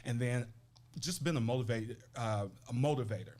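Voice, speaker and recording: A man's voice: medium pitch, brisk, a little mellow. A man from Tennessee, a life coach talking earnestly and reflectively as an interview guest. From Nashville, Tennessee. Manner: earnest, reflective, frequent restarts. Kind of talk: casual interview conversation.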